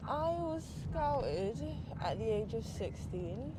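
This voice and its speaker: A woman's voice: very animated, slow pace. A woman in her twenties, raised in Jamaica, chatting casually as a taxi passenger, hesitant with many fillers. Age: 20s. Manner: hesitant, with frequent ums and likes. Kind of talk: casual chat. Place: back seat of a moving car. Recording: loud car noise. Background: loud road and engine rumble.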